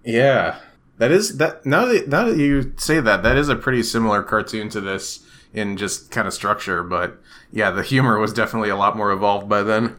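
A man with a somewhat low voice and a bright tone, co-hosting a casual podcast. He talks in an easygoing, hesitant way and laughs often. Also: normal speed. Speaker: podcast co-host.

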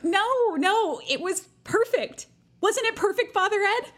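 An actress playing a self-righteous, overbearing Catholic high school senior girl in an audio play, chirpy, pushy and self-important. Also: expressive, measured pace, a bit bright, heavily acted. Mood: eager, bossy. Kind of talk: naturalistic audio drama acting.

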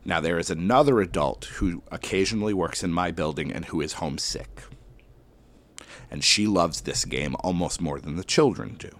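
A man with a notably deep, low voice tells a personal story to an audience. He is a schoolteacher, and his telling is animated, with sudden loud bursts and slow dramatic drops. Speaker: elementary school teacher.

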